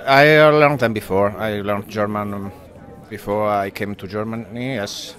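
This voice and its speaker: A man with an Italian accent, an interview guest speaking outdoors in fast bursts with restarts. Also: on the low side, fairly even intonation, a bit bright. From Italy.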